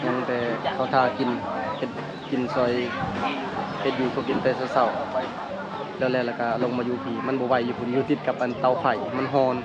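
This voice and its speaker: A man's voice: mid-range voice, monotone, moderate pace. A man with a Lao accent vlogging casually at a village wedding, chatting with the locals and asking them questions. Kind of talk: casual vlog narration and chat. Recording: muffled, busy crowd and noise.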